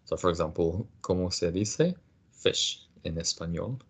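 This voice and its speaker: A man teaching a casual language lesson, patient and encouraging, explaining things slowly. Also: low-pitched, lively intonation, husky.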